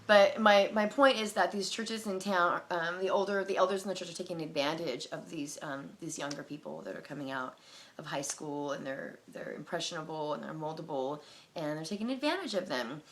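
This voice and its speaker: A young adult woman talking casually to her viewers, rambling with many fillers and breaking into animated impressions. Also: low voice, a little fast, a little hiss or hum. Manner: rambling, filler-heavy, animated, mimics people with loud barking sounds. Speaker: vlogger. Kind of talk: casual talk to camera.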